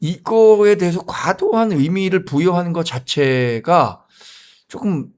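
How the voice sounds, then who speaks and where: A middle-aged man from Gyeonggi Province offers his view on a political debate in a high voice. He speaks in a measured, deliberate way. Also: a little mellow. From Gyeonggi Province, Korea. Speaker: political commentator.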